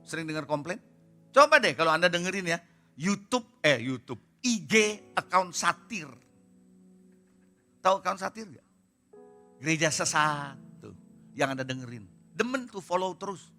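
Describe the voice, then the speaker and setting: A man preaching a sermon in a high, very bright and piercing voice. He presses his points hard and keeps firing rhetorical questions at the congregation. Soft music plays faintly behind him. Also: big pitch swings, normal speed, long pauses. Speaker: pastor. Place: church service.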